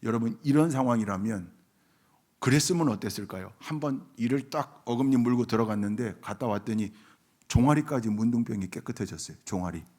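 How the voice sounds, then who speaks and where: A man, a pastor, preaching a sermon at a church dawn prayer service. He swings from loud exhortation to hushed near-whispers, calls on the congregation for amens, and acts out biblical characters in dialogue. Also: medium pitch, expressive, brisk.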